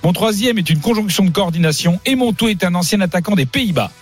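A man's voice: expressive, quick pace, soft background music. A man hosting a football quiz on the radio, teasing the panel in a playful way. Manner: teasing, playful, jumps into falsetto.

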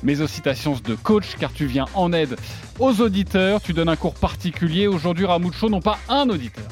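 A man hosting a golf talk podcast, presenting the show and its guests in lively scripted fashion. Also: sits high, normal speed, faint music behind. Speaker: podcast host.

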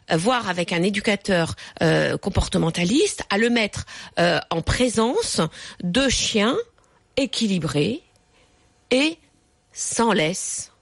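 A woman veterinarian giving calm, repetitive advice to callers on a radio call-in show. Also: mid-range voice, dry recording. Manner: explains patiently, repeats key points. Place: radio studio.

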